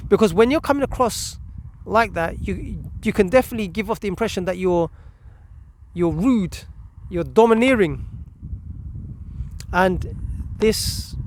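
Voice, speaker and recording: High-pitched man giving parenting advice. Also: a little hiss or hum. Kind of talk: informal motivational advice talk to listeners.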